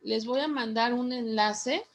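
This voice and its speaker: Woman teacher slowly dictating notes. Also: fairly high pitch. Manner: slow, deliberate dictation with repeated phrases. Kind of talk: dictating a class lesson.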